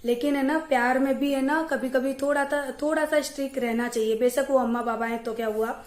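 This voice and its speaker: A young woman vlogging from her home, chatting to camera and telling stories in a lively way. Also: sits high, fairly quick, echoey room. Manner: chatty, animated storytelling. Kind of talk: casual chat to camera. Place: at home, indoors.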